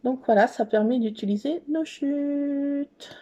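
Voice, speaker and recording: This scrapbooking host's voice is high-pitched and mellow, and she talks slowly. She keeps up a bubbly, gushing, casual chat at her craft table, talking to herself along the way as she walks through the craft.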